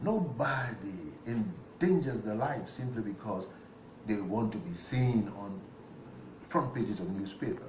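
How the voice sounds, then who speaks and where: Over noticeable background noise and audible room echo, the speaker moves at a fairly slow pace with lively intonation and long, frequent pauses. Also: man, medium pitch for a man. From Liberia. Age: 60s. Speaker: politician, presidential candidate. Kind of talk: radio interview.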